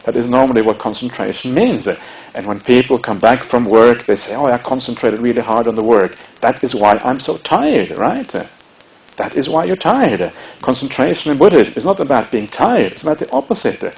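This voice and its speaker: A man with a Norwegian accent giving a measured, explanatory Buddhist dharma talk, with frequent hesitations. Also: mid-range voice, very animated, gravelly, darkish tone, rough recording. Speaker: Buddhist monk teacher.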